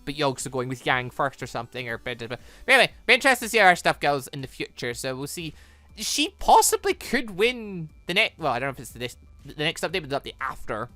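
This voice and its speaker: A man's voice: fairly high pitch, very animated, fast, bright, forceful tone, no room sound. A young man doing casual game commentary, rambling and trailing off into nonsense syllables. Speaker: gaming channel host. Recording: music behind the voice.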